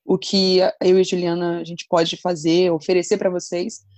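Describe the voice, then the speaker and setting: A woman from Brazil, co-hosting a casual chat podcast in a relaxed, conversational way. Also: fairly low pitch, normal speed, no room sound. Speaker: podcast co-host.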